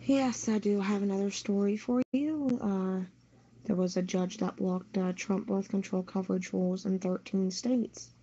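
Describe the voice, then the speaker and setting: A woman's voice: mid-range voice, steady tone, moderate pace, dark tone, highs cut off. A woman co-hosting a podcast, reading a news story aloud.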